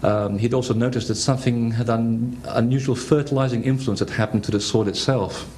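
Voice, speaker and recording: A man's voice: mid-range voice, fairly even intonation, fairly quick, darkish tone, slight background noise. A man from Portugal with a Portuguese accent giving a conference lecture with slides, hesitant, with many fillers and restarts.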